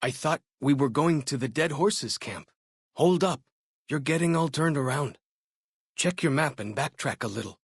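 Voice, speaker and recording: Clear-voiced, curious young tribal scout. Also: male voice, a little high, expressive, moderate pace, dry recording, clean studio sound. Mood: urgent. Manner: folksy, chatty, inquisitive, easygoing phrasing. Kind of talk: video game companion dialogue.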